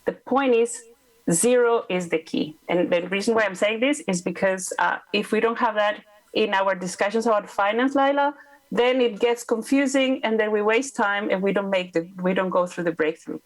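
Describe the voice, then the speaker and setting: Costa rican lady on a panel, native spanish speaker, medium pitch, pushing her point hard. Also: normal speed, poor audio. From Costa Rica. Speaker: panelist, climate advisor. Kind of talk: panel discussion remarks.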